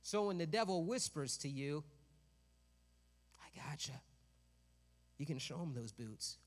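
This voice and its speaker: A fairly high-voiced man preaching to a congregation, his words trailing off into a long hall reverb. He slips between relaxed, joking asides and loud, emphatic peaks. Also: normal speed. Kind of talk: sermon.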